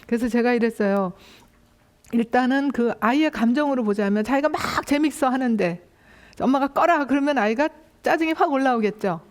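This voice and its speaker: A woman lecturer on parent education, talking with a somewhat high voice. She tells stories in a lively way and acts out the lines of the people in them. Her delivery has the measured pace of a lecture. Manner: lively storytelling, acting out quoted voices. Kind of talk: lecture with anecdotes.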